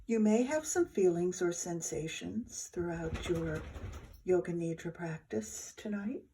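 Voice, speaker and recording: A woman teaching yoga nidra, giving soft, soothing guided meditation instructions in short phrases with pauses. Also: on the low side, lively intonation, a little hiss or hum.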